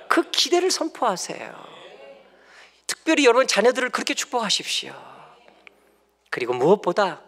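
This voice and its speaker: A male pastor delivers a sermon in a church sanctuary with a fairly high-pitched voice. He swings from loud scolding to hushed, tender murmurs. His delivery is animated and dramatic. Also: in a large hall. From South Korea. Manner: drops to near whisper for tender lines and stories.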